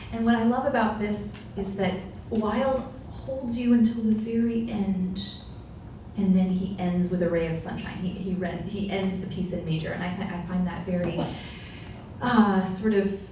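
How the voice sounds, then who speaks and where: A woman pianist chatting to a concert audience about the music, explaining in a friendly, meandering way with self-corrections. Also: darkish tone. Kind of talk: spoken concert introduction. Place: large echoey concert hall. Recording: far-off echoey hall with faint rumble.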